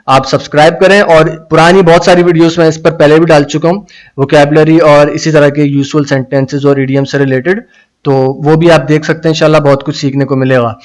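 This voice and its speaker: Slow-reading man teaching English. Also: fairly high pitch, low-quality recording. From Pakistan. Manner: slow, deliberate reading of English phrases, then explaining in Urdu; reads viewers' comments aloud. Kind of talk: live-streamed English lesson in Urdu.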